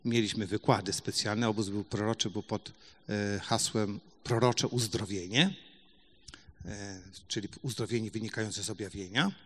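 A middle-aged man telling a testimony in a sermon, swinging from loud emphatic bursts to quiet asides. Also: lowish voice, moderate pace. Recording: long hall reverb.

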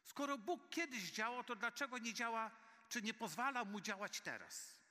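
Male preacher, high and very bright tone, earnest sermon and prayer, long church reverb. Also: lively intonation, moderate pace. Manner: earnest, addresses listeners as dear friends.

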